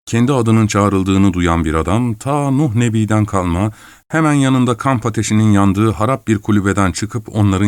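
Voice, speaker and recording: Low-voiced male audiobook narrator. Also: no echo, clean studio sound. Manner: measured, storytelling. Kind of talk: scripted literary narration.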